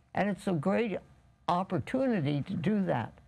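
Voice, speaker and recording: With lively intonation, a woman speaks with vocal fry. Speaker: guest. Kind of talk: interview answer. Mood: warm, reflective. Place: studio.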